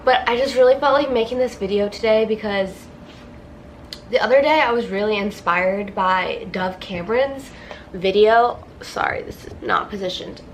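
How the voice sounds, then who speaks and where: This young woman has a mid-range voice and speaks at a normal speed, stuffy-nosed from a cold. In her confessional vlog she rambles casually and sincerely, saying "like" constantly. The low-quality recording carries a little hiss or hum.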